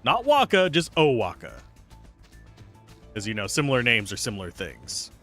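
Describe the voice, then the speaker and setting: A young man commenting casually on a game he is streaming, chatty and jokey, with a slightly raspy voice. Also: medium pitch, wildly swooping pitch, normal speed, fairly bright tone, soft background music. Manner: chatty, jokey, reacts aloud.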